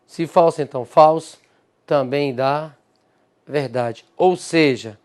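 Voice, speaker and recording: A man with a Brazilian Portuguese accent, his voice sitting fairly high for a man, lecturing in an exam-prep lesson. He walks through each point with emphasis and keeps posing questions to an imagined student that he then answers himself. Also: slow pace, a little mellow. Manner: emphatic, explains step by step. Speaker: teacher.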